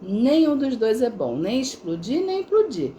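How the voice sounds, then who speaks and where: A woman's voice: on the high side, huge pitch swings, unhurried, dark tone, slight background noise. A middle-aged woman therapist talking casually on a live stream, telling stories with frequent tag questions. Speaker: integrative therapist.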